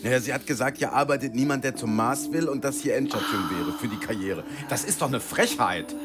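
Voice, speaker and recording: A man's voice: mid-range voice, brisk, loud music behind the voice, natural voice. An actor playing an eager, indignant male office worker in a radio play, flustered and self-important.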